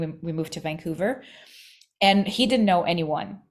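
In a Portuguese accent, a woman with fairly low pitch talks at a fairly quick pace on a very clean recording with a silent background. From Brazil, Rio de Janeiro. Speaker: meditation teacher and executive coach. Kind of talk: interview.

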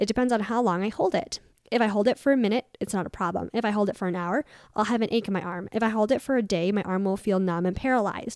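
A woman talks very fast at a fairly high pitch, with ordinary pitch variation. The recording is very clean and the background silent. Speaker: podcast host. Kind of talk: casual chat. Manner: fast talker when awkward or nervous.

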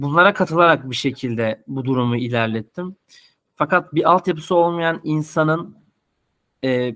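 Ordinary pitch variation marks an unremarkable speaking voice that moves along at a fairly slow pace. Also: man. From Adana, southern Turkey. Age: 20s. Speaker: musician and music education student. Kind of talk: interview.

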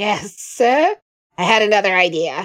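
A female-sounding voice puts on a cackling character voice at a medium pitch. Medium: actual play. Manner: manic, cackling.

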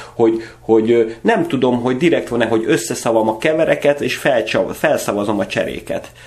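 A man's speech comes at a moderate pace, with noticeable background noise behind it. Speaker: slam poet, actor and drama teacher. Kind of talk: casual chat.

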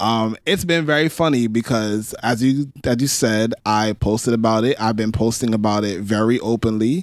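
A man speaks with a Barbadian accent at a moderate pace and a medium pitch. His loudness stays very even on a very clean recording with a silent background. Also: ordinary pitch variation. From Barbados. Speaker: podcast producer. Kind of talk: casual chat.

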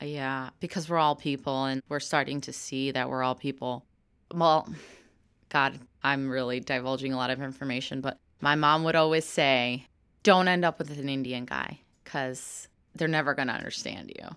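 In a Midwestern accent, a woman talks with a very deep, low pitch and an animated tone. The recording is very clean, with a silent background. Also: moderate pace. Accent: general American, Midwest. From Chicago, US Midwest. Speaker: actress and comedian. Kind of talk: casual interview. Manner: animated, laughs often.

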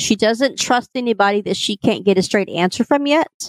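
Her intonation lively, a woman speaks with a Southern US accent. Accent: Southern US drawl. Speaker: co-host. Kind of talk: casual podcast chat.

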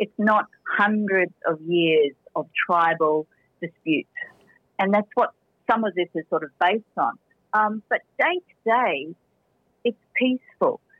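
A woman with an Australian accent, medium pitch and lively intonation, at a fairly slow pace with long, frequent pauses. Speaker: business owner. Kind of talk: radio interview.

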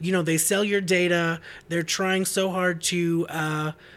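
A man talks with a high pitch. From US Northeast, Boston suburbs. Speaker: podcast guest, singer. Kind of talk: casual chat. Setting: studio. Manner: animated.

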